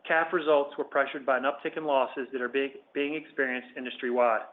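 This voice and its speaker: Through a narrow, phone-quality connection, a man with an average-pitched voice gives prepared corporate remarks. He sounds formal and businesslike, reading as a senior executive on an investor call. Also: level tone, a little fast. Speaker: company chief executive leading the call. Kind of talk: scripted earnings call presentation. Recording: phone-like conference call line.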